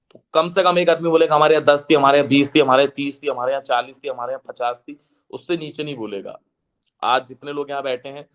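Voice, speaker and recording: A man giving an earnest devotional lecture to a seated audience, his voice slightly hoarse, slowing into a chant when he recites verses. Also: medium pitch, a bit bright. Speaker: guest speaker.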